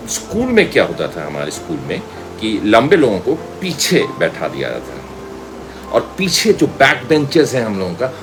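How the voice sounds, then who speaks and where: A middle-aged man with an Indian accent gives an informal lecture, telling personal anecdotes in an animated way and mixing in English phrases. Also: mid-range voice, low-quality recording. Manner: animated storyteller, acts out dialogue, mixes in English phrases. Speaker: media school director and voice trainer.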